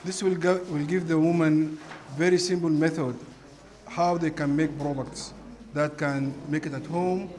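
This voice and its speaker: A man from Sudan answering interview questions about a training, in simple, halting sentences. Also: fairly high pitch, steady tone, darkish tone, slight background noise.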